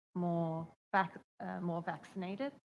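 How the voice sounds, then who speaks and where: Soft-spoken, a woman talks in a fairly low voice. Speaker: public health official. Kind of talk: public meeting presentation. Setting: public meeting with audience. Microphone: too quiet, not speaking into mic.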